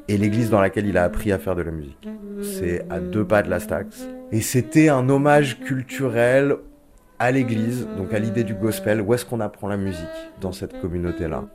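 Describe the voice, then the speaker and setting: A man speaks thoughtfully about his documentary, often pausing and restarting his sentences. His voice sits low, and clear music plays beneath him. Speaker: documentary director. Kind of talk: interview excerpt.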